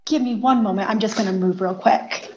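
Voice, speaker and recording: A woman's voice: mid-range voice, fairly quick, warm tone. A woman speaks over the phone as a radio guest, rambling casually through her stories with plenty of fillers. The line is muffled and dull. A faint noise sits behind her voice. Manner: casual storytelling with many fillers. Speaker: guest chef and wellness consultant.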